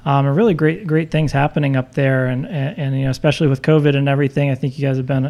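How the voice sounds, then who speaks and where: Talking fast in a slightly mellow, medium-pitched voice, a podcast co-host chats casually about local food. He tends to ramble, restarting sentences and leaning heavily on fillers like "you know."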